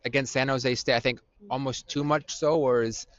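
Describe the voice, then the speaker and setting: A man co-hosting a podcast, giving measured, analytical sports talk with frequent "um" pauses. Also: mid-range voice, steady tone, fairly bright tone. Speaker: podcast co-host. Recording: dull, dry lo-fi audio.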